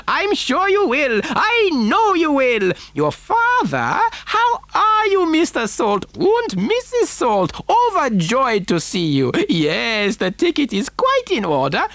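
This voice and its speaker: A man voicing an excitable, effusive, eccentric old chocolate factory owner in a storybook reading, fussy and full of repeated exclamations. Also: extremely high pitch, measured pace, hardly any pauses, no echo, voice pushed up, full character voice. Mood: gushing delight.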